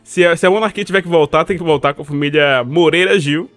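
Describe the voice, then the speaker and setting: A man co-hosting a casual podcast, answering in a laid-back, dry way. His voice sits a little high. Faint music runs underneath. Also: fast talker, fairly bright tone. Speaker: podcast co-host.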